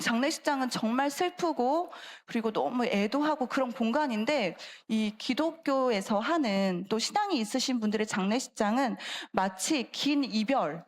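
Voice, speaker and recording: A middle-aged woman giving a seminar talk at a church, chatty and animated, acting out voices in her examples. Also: fairly high pitch. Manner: animated, acts out quoted voices, chatty asides. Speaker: church lecturer. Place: church sanctuary.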